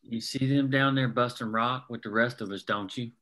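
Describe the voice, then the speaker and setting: A man's voice: mid-range voice, steady tone, normal speed, fairly bright tone, lightly acted. A man playing an earnest, plain-spoken coal miner who rallies fellow workers with folksy working-class diction, in a script table read. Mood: plain, inviting.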